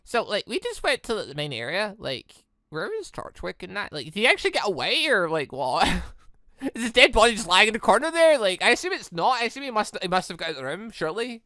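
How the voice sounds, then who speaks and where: A gaming host reading a visual novel aloud, stumbling over lines and breaking off into casual, excitable asides. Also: mid-range voice, fast, no echo, clean studio sound.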